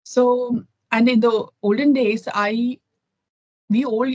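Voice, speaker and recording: Her voice is a little high yet darkish, steady in tone and slow in pace. She's a Kerala woman with an Indian accent, a guest on a casual video call who speaks thoughtfully amid many fillers and restarts. No room sound is heard, and the audio is poor.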